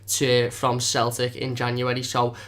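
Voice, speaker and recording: A man's voice: medium pitch, completely flat delivery, fairly bright tone. A young man hosting a casual live stream as a fan channel host, rambling with lots of fillers, feeling slightly under the weather. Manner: fast, rambling, filler-heavy.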